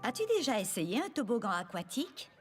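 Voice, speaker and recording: A woman's voice: mid-range voice, very animated, brisk, loud music behind the voice, natural voice. A woman voicing a kind, patient daycare teacher in a children's cartoon, encouraging and reassuring small children.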